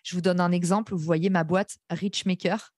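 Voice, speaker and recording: A woman's voice: fairly low pitch, steady tone, normal speed, darkish tone, slightly rough, no room sound. A woman with a slight English-tinged accent in French, teaching a podcast workshop in a chatty, enthusiastic way and speaking straight to her audience. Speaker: podcast course instructor.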